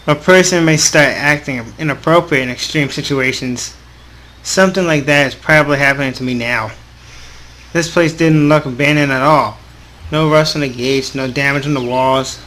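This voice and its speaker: A man hosting a gaming video, reading a visual novel aloud in an informal, halting way with casual off-script asides. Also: fairly high pitch, sharp tone. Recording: clearly audible background noise.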